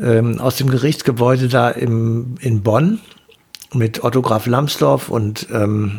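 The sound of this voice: The voice moves at a slow pace with vocal fry, a slightly mellow tone and a slightly husky edge. Its intonation stays fairly even. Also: man, medium pitch for a man.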